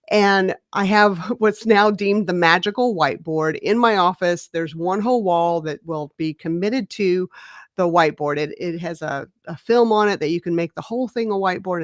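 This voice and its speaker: A woman's voice: fairly low pitch, moderate pace, dry recording, studio quality. A middle-aged woman, a career coach, telling a story as a guest and acting out the dialogue with energy. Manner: animated, acts out dialogue in the stories. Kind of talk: conversational storytelling.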